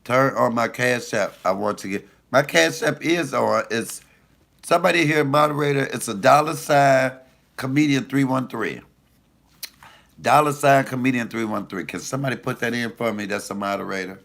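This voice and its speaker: A middle-aged man with a deep voice, a comedian chatting casually and profanely with viewers on a livestream. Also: normal speed, vocal fry. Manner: animated, loose and profane storytelling.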